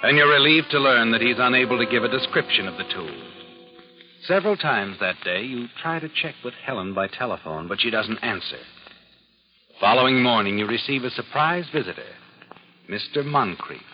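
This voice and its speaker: A man's voice: mid-range voice, lively intonation, normal speed, lightly acted. Dull vintage radio sound, music behind, male actor as sinister omniscient narrator, knowing, taunting, second-person crime storytelling. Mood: ominous. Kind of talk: 1940s radio drama narration.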